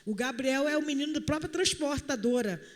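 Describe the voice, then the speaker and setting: High-voiced woman preacher, chatty. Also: a little fast. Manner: chatty, animated, addresses the congregation directly. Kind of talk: storytelling sermon. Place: church hall. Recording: long hall reverb.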